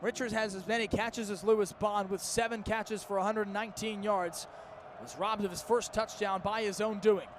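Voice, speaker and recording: A young American man in his early twenties doing energetic, vivid live play-by-play of football on the radio. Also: sits high, normal speed, a little hiss or hum. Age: early 20s. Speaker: play-by-play announcer.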